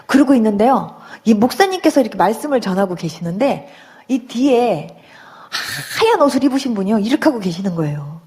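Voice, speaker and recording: A woman's voice: fairly high pitch, very animated, brisk, mellow. A middle-aged woman giving a personal Christian conversion testimony, telling her story vividly and with sound words.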